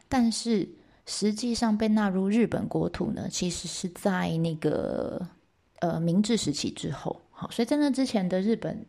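A woman teaching a myth as a lively, chatty storytelling lesson with asides to listeners. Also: fairly low pitch, creaky.

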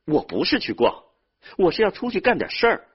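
A man's voice: high voice, huge pitch swings, a little fast, breathy edge, dull audio, voice pushed up, full character voice. A man voicing an earnest young man in his twenties who insists on his own plans. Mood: insistent.

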